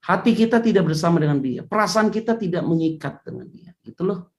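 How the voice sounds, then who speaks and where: A woman's voice: on the low side, expressive, fairly quick. A woman pastor, preaching a casual sermon in a chatty way, with joking asides.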